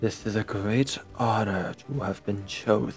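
Over clear background music, a man puts on a character voice, fairly low in pitch and delivered at a fairly slow pace. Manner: eerie, solemn.

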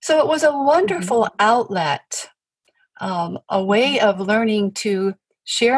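A woman's voice comes through somewhat breathy at a fairly slow pace. The sound is dry and close with no echo. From Kentucky, Appalachia. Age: 70s. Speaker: author and lavender farmer. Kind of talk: interview conversation. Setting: remote recording from home.

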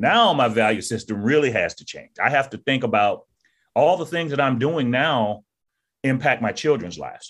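A man with an unremarkable speaking voice and an American accent talks at a moderate pace and medium pitch with lively intonation, in a very clean recording with a silent background. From US South. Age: 60s. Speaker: retired army sergeant major, leadership author and speaker. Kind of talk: interview.

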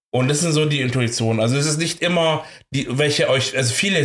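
Somewhat breathy male speech with fairly level intonation. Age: 30s. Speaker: podcast co-host. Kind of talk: casual chat.

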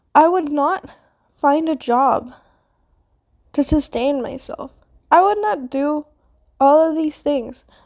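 A woman speaks at a very slow pace with a high pitch. Her speech has long, frequent pauses. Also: ordinary pitch variation. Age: 20s. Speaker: podcaster. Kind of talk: angry rant, venting. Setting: self-recorded solo. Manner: agitated, bitter, emphatic, swearing; raw, exhausted, emotional.

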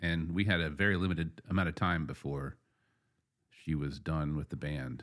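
The voice has vocal fry and an animated tone, moving at a moderate pace with ordinary pitch variation. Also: man, very deep, low pitch for a man. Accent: American. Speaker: podcast co-host, former high school radio host. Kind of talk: casual chat. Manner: jokey, animated.

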